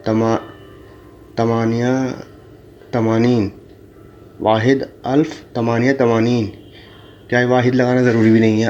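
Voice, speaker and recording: Man, slow repetitive lesson delivery, dull lo-fi recording. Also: medium pitch, a little mellow. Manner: repeats each number several times, correcting the book. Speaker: Arabic teacher.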